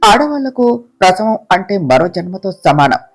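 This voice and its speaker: A storyteller voicing a frightened young wife who pleads with her husband through tears, soft guitar playing behind. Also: medium pitch, very animated, moderate pace. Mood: tearful. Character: tearful young pregnant wife, fearful and devoted. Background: soft guitar music.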